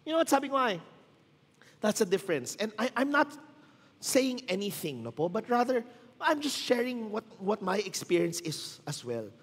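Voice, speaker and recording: A man's voice: high-pitched, sing-song, normal speed, husky, big-room sound. A man in his thirties with a Filipino accent, a pastor telling stories in a casual sermon with joking asides, his voice strained and tired. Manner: storytelling, mixing Tagalog and English, joking asides. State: tired, strained voice from little sleep. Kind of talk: conversational sermon.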